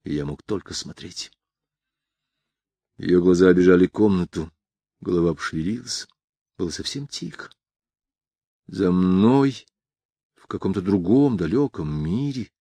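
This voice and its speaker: A man reading a novel aloud as an audiobook, in a quiet and measured storytelling manner. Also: low voice, breathy edge, no room sound. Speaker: audiobook reader. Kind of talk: literary audiobook narration.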